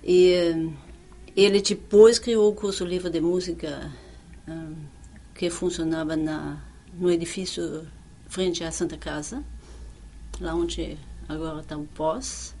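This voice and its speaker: An older woman who is not a native speaker, recalling her years as a music teacher in an oral history interview, speaking haltingly with frequent restarts. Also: fairly low pitch, steady tone, mellow, a little hiss or hum. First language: not Portuguese.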